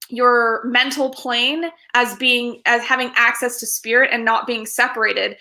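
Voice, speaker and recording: A woman's voice: on the high side, sharp tone. A woman in a casual spiritual chat, speaking hesitantly and searching for her words. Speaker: tarot student.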